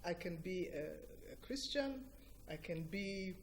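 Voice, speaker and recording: A middle-aged woman with a Ugandan accent, speaking as an interview guest in an earnest, emphatic and deliberate explanatory way. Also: lowish voice, animated, slight background noise. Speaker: interview guest, cultural organisation director. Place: TV breakfast show interview.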